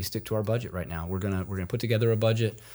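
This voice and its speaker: A man with an American accent talks at a medium pitch, with ordinary pitch variation. The recording is very clean, with a silent background. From Colorado. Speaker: church financial counsel volunteer. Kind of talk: casual interview chat.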